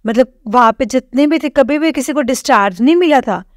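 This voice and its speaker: A young woman from Jammu telling a congregation a personal story of faith, halting and repetitive with frequent fillers. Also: high-pitched, expressive, dry recording, clean studio sound. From Jammu, India. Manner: halting, with many fillers and repeated phrases. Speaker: devotee sharing testimony. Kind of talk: personal testimony to a spiritual congregation.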